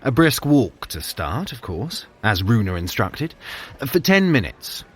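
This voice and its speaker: An actor playing a sly, haughty trickster god with a droll, theatrical, sarcastic manner in an audio drama. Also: male voice, mid-range voice, sing-song, measured pace, slightly rough. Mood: haughty, annoyed. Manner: droll, theatrical, feigned innocence. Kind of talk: scripted audio drama dialogue.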